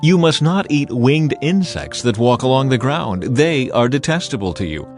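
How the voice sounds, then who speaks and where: A male narrator reads scripture for a dramatized audiobook. His voice sits at an average pitch, and his delivery is solemn and deliberate. Music plays clearly behind him throughout. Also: expressive, darkish tone.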